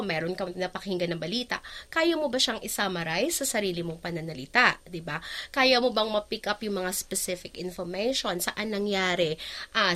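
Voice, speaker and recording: A middle-aged woman from the Philippines talks like the English teacher she is, laying out each point and checking in with quick rhetorical questions. Her pitch swings up and down a lot as she moves between Filipino and English. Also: a bit bright. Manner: explains step by step with rhetorical questions. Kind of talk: explaining in a panel talk.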